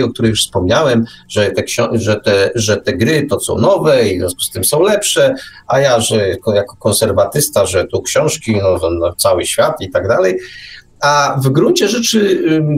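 A man hosting an unscripted radio discussion, digressing and often restarting his phrases. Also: mid-range voice. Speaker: radio show host and book enthusiast. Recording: distant mic with faint background noise.

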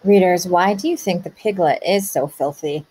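A woman teacher pausing a read-aloud to ask young children patient questions about the story. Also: on the low side, dark tone, slight background noise. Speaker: kindergarten teacher.

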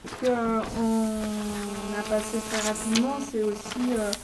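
A woman's voice: mid-range voice, little pitch movement, measured pace, recorded from a distance, heavy background noise. A woman in a planning workshop offering an idea to the group, searching for words as she speaks. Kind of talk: discussion remark.

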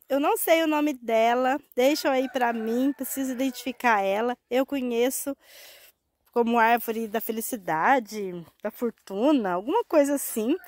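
Hoarse Brazilian-born woman with a lapel mic. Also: high-pitched, darkish tone, no echo. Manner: chatty and affectionate, tag questions and diminutives. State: hoarse from a cold. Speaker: succulent grower. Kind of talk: casual plant-care vlog. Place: shaded plant nursery greenhouse, outdoors. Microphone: wired lapel mic.

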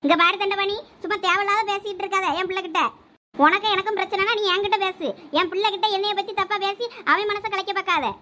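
A woman playing a defensive, sharp-tongued elder sister in a village comedy skit, speaking with a Thoothukudi Tamil accent and quick retorts. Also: very high voice, fairly even intonation. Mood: scolding.

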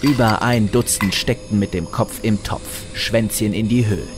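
A man's voice: lowish voice, unhurried, background noise. A man narrating a comedy audio drama from a script.

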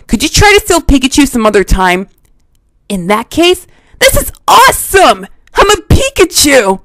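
Lady voicing a spunky anime kid hero, high bouncy voice, kinda slow, eager. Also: no room sound, heavily acted, poor audio. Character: eager spirited boy hero, about ten. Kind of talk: cartoon voice impression demo.

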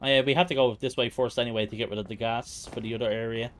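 A man's voice: mid-range voice, steady tone, rapid-fire. A man giving casual live commentary as he speedruns a video game.

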